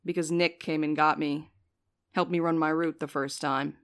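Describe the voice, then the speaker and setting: A woman acts a jaded young female courier in a fiction podcast. Her voice sits on the low side and sounds weary. She speaks with dry sarcasm. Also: flat delivery, normal speed. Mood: confessional, bitter. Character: jaded, sardonic, sleep-deprived young woman courier named Val. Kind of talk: audio fiction podcast acting.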